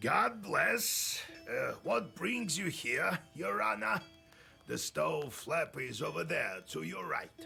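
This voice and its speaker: Over clear music in the background, a man talks in a put-on character voice at a very slow pace. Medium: machinima. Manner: chuckling, warm.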